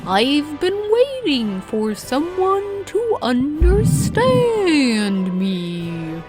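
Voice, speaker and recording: Slow, swooping, high-voiced friendly whale. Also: female voice, wildly swooping pitch, over loud music, heavily acted. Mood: wistful. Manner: slow, drawn-out, swooping speech. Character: friendly, lonely, playful giant whale.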